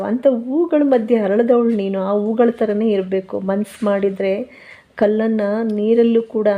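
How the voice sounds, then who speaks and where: A woman voicing a gentle young husband who coaxes and consoles his wife in a soft, preachy tone. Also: fairly high pitch, close to an everyday voice. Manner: soothing, coaxing, preachy.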